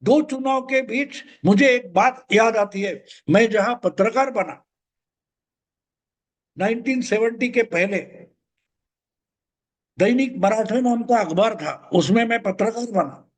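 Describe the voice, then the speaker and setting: Older male commentator, very high voice, emphatic and repetitive solo monologue. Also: slow, pauses often. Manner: emphatic, repeats points. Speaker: political commentator.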